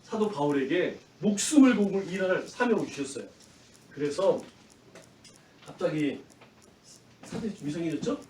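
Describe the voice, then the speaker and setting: A high-pitched male pastor gives a lively children's sermon, throwing questions at the kids and acting out the shouts of angry crowds. He stands some distance from the microphone, so his voice rings through a roomy church sanctuary. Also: normal speed, pauses often, a little hiss or hum. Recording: roomy echo from off-mic.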